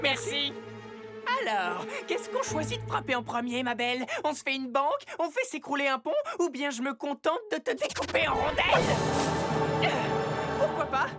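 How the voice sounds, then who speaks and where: A high, cheeky cartoon superhero. The delivery is theatrical and full of banter, over loud music. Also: female voice, very animated, moderate pace. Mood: menacing, playful. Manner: theatrical, bantering, shouted gadget calls. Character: cheeky superhero in skirt and their dark-side clone. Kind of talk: French-dubbed animated cartoon acting. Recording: loud music bed behind the voice.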